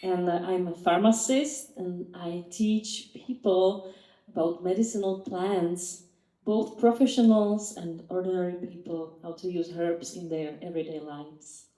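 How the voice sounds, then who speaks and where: Low, mellow Czech woman introducing herself. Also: fairly even intonation, a little slow. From Czech Republic. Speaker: pharmacist, panelist. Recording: echoey event room.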